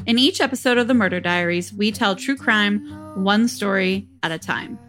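A woman's voice: mid-range voice, moderate pace, a bit bright, soft background music. A young woman hosting a true crime podcast, reading scripted narration into a close microphone. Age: young adult. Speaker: podcast host.

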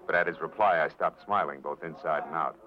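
An actor playing a wry, tough-talking American private detective, narrating and acting in an old radio noir drama. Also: male voice, very deep voice, a little fast. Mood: relaxed, wry. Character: hard-boiled, wry male private detective, impatient and sardonic. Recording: muffled old radio recording, loud music behind.

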